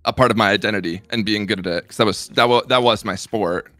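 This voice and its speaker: A young man in his twenties with a slight Minnesota accent and a lower voice that still sounds bright and forceful. He is friendly and chatty and laughs easily as a podcast guest. The recording is dry and close. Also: fast talker, dry recording, soft background music. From Iowa, United States. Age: 20s. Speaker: guest, content creator. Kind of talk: casual interview chat.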